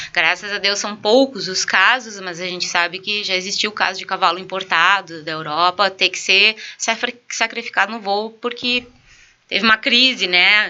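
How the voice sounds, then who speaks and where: With a Rio Grande do Sul accent, a woman talks at a moderate pace and medium pitch, using ordinary pitch variation. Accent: gaúcho accent (Rio Grande do Sul). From southern Brazil, Rio Grande do Sul (Uruguaiana, Argentine border). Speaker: veterinarian and business owner. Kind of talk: casual interview.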